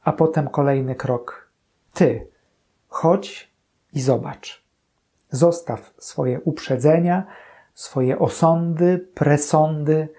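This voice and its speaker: A priest in his thirties giving a calm, earnest gospel commentary in a small chapel room. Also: fairly high pitch. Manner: calm, earnest, slow-paced reflection. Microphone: fixed camera, medium shot.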